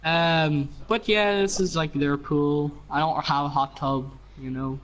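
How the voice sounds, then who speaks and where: A man's voice: on the high side, steady tone, unhurried, fairly bright tone, lo-fi sound. A man casually showing other players around his game build, rambling with lots of fillers over voice chat. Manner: rambling, many fillers and "you know". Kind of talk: casual game tour narration.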